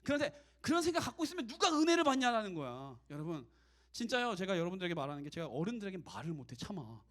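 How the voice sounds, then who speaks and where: A man preaching a casual, conversational sermon to young adults as their youth pastor, animated and direct. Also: high-pitched, fast talker.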